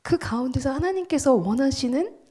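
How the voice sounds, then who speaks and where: A woman's voice: high voice, expressive, fairly quick, mellow. A woman preaching a sermon in an emphatic style, often dropping to a whisper and asking the congregation questions she then answers herself. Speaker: pastor.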